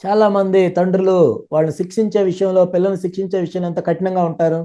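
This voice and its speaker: A man interprets a sermon live at a rapid clip. His tone is dark and mellow, and his pitch sits a little high for a man. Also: level tone. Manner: rapid, fluent, running sentences together.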